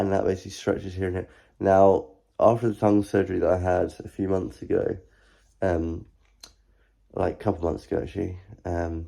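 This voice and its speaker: Against a quiet background, a man mumbles at a fairly quick pace in a very deep, low pitch, with a dark, mellow tone and fairly even intonation. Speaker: vlogger sharing health experience. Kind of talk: personal video diary. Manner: mumbling; halting, many fillers.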